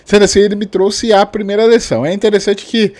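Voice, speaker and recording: A man in his late thirties hosting a casual vlog, rambling with many restarts and tag questions and chuckling often, with sudden lively jumps in his voice. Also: high-pitched, quick pace, no echo. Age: 30s. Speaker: channel host. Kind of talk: casual talking-head vlog.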